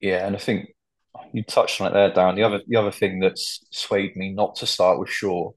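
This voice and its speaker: Podcast co-host, male, low flat voice, rambly and hesitant. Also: moderate pace, low-quality recording. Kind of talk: casual football chat.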